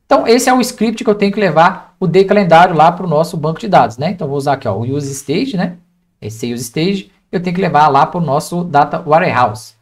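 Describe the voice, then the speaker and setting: A young man with a Brazilian accent giving an informal step-by-step software tutorial, often adding little checking tags as he explains. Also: a little high, expressive, a little fast. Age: young adult. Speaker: data engineering instructor. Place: indoors at a computer, screen recording with webcam.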